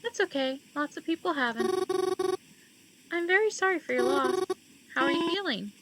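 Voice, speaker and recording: A woman voicing a calm young woman who attends funerals, speaking softly and consolingly. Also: very high-pitched, moderate pace, loud music behind the voice, voice pushed up, low-quality recording. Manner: soft, consoling. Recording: loud background noise.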